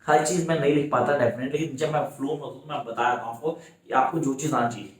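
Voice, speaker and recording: A male tutor with an Indian English accent giving a brisk exam-prep lecture, talking straight to his students and answering his own questions. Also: mid-range voice, fairly even intonation. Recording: very echoey room, voice far from mic.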